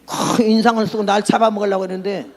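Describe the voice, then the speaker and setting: An elderly woman in her nineties preaches with blunt, outspoken energy, mixing testimony into her sermon and pausing to quiz her listeners. Her voice is gravelly and rough. She laughs at her own bold remarks as she goes. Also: medium pitch, flat delivery, a little mellow, a little hiss or hum. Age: 90s. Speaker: missionary preacher.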